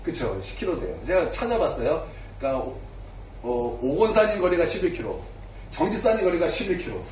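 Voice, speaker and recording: Pastor guy telling a story in his sermon, acts out the voices, high lively voice, echoey church from a distance. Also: fairly quick, a little hiss or hum. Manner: storytelling, acting out quoted voices; asks the congregation questions. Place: church sanctuary.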